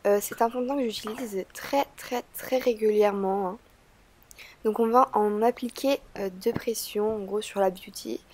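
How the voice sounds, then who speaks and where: A woman's voice: mid-range voice, steady tone, moderate pace, a little mellow. A woman with a cold, talking through a makeup tutorial in a chatty, hesitant way with frequent "euh" fillers. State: stuffy-nosed from a cold. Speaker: beauty vlogger.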